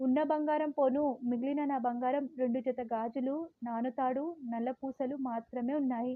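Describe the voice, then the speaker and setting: High-pitched, a woman speaks with fairly even intonation. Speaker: homemaker who reads and narrates stories. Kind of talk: story narration, emotional tale read aloud.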